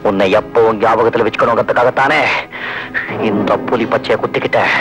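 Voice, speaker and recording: A man's voice: lowish voice, fairly even intonation, brisk, lightly acted, low-quality recording. A man playing a vengeful avenging son. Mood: menacing. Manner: menacing, declamatory. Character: vengeful young man hunting his father's killer. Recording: old film soundtrack with music.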